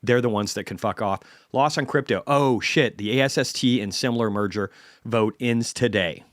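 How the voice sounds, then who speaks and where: Male stream host, blunt profane rant, mid-pitched voice, dry close sound. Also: moderate pace, no echo. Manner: blunt, heavily profane, ranting. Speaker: host of a market commentary stream. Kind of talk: unscripted ranting commentary.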